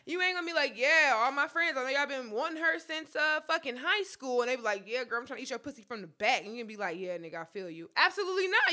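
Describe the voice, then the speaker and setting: A woman with co-hosts a casual talk show, blunt, profane and animated. Her voice sits high and has a sharp, bright edge. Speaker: podcast co-host. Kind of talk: casual chat.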